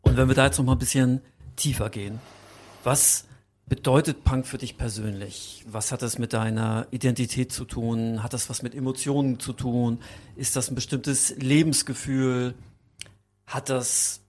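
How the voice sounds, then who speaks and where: A man's voice: medium pitch, little pitch movement, normal speed, darkish tone. A man interviewing someone in a conversational style, putting questions and reflections to his guest.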